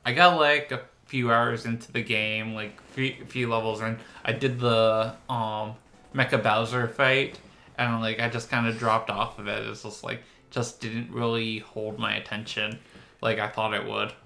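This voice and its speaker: A man's voice: lowish voice, little pitch movement, a little slow, gravelly, sharp tone. A man co-hosting a casual gaming podcast, explaining things in a tentative, hedging way. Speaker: podcast co-host.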